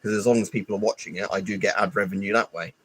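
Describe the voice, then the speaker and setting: A man talking to his live chat in a low, husky voice, stuffy from hay fever. He rambles and swears when irritated, casual and unscripted. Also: fairly even intonation, rapid-fire, a bit bright. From United Kingdom. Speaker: livestreamer.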